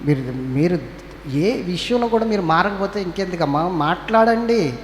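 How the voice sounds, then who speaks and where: A man's voice: sits high, expressive, moderate pace, slight background noise. A male pastor with a Telugu accent preaching a church sermon. He calls on the congregation to respond, scolds and exhorts them. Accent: Telugu, Andhra Pradesh. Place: church hall. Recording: echoey church hall with faint ambience.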